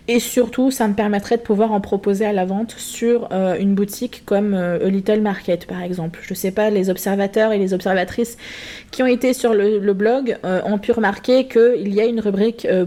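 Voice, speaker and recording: A woman's voice: mid-range voice, mellow. Chatty woman, hesitant rambling vlog. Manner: self-mocking. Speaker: craft vlogger. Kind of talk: casual chat to camera. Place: home craft room. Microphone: built-in camera mic.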